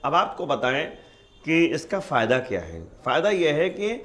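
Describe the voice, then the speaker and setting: A man's voice: on the high side, big pitch swings, fairly bright tone. A man, a religious scholar explaining things step by step with many repeated examples. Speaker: Islamic scholar. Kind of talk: religious teaching in conversation.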